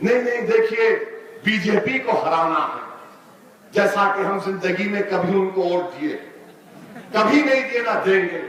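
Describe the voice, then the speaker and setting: Amid noticeable background noise, a man speaks in a passionate tone with long, frequent pauses. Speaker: politician, party president addressing a rally. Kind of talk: political rally speech to a crowd. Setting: outdoor public meeting, open-air rally. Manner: passionate, forceful, rhetorical, addressing crowd.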